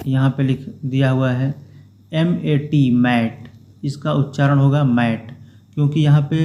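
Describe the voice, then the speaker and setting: A man explaining a schoolbook lesson, repeating each word and its meaning slowly and patiently. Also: mid-range voice, warm tone, slight background noise. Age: young adult. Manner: slow, repetitive word-by-word explanation. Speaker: teacher.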